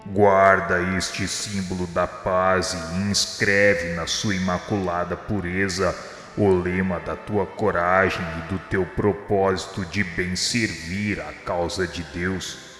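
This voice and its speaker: In a big reverberant space, a man acting as a merciful divine master speaks with a very low, bright voice. He declaims solemnly, as in a religious radio play, over music. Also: little pitch movement. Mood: solemn, benevolent. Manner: solemn, measured, exalted declamation. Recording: echoey hall-like reverb with music.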